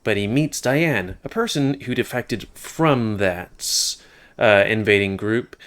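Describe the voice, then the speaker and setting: A man's voice: fairly low pitch, slow, fairly bright tone. A man giving casual, rambling and crude commentary while playing a video game. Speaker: gaming YouTuber. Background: game music.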